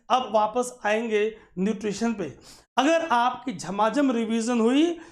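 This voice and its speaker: A male teacher giving an exam-prep lecture, mixing English terms into his explanations, checking often whether it is clear and calling his viewers friends. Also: very high voice. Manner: addresses viewers fondly as friends.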